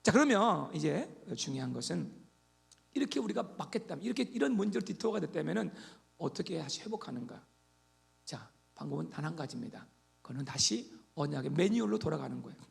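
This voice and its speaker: A man preaching a sermon as pastor, animated, swinging between loud exhortation and quiet asides. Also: on the high side, a little fast, creaky.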